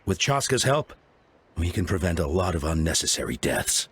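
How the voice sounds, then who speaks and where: An actor playing a grave, composed tribal leader in a video game, speaking in a formal, measured way. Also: male voice, low voice, very animated, a bit bright, slight background noise. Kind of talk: scripted game voice acting.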